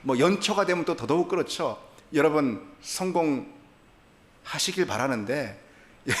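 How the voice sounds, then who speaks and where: A male pastor delivering a Sunday sermon, speaking animatedly to the congregation, often chuckling and acting out the quoted lines. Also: a little high. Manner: animated, acts out God's and Sarah's lines in quoted voices; chuckles often while preaching.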